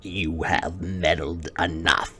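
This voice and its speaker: A man voicing a creepy, coldly logical villain creature in a tabletop game, with slow theatrical menace and a gravelly voice. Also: low voice, fairly even intonation, sharp tone, voice pushed down, full character voice. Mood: accusing menace. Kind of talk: tabletop game role-play.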